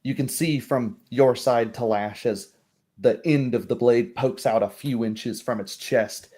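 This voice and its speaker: A man working as a game master, narrating a tabletop roleplaying game in a measured, descriptive storytelling manner. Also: medium pitch, warm tone.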